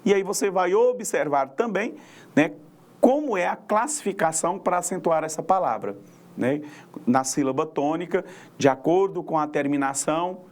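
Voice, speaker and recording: A man with a Brazilian accent, his voice sitting somewhat high, walks through a recorded grammar and poetry lesson. He explains things patiently, step by step, and keeps checking in with little tag questions. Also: animated, normal speed, darkish tone. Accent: Brazilian Portuguese. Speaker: teacher.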